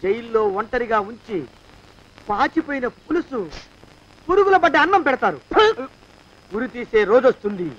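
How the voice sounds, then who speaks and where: High-voiced pestering servant, blackmailing his boss, nagging and needling, film comedy scene. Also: sing-song, moderate pace, long pauses, fairly bright tone, highs cut off, heavily acted. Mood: taunting. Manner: nagging, keeps pestering with a repeated question. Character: scheming male servant turned blackmailer.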